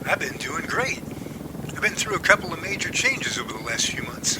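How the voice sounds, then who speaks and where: A man's voice: on the high side, big pitch swings, a little fast, very noisy. A man in an amateur audio drama playing an easygoing, newly confident man in love, earnest and plain-spoken.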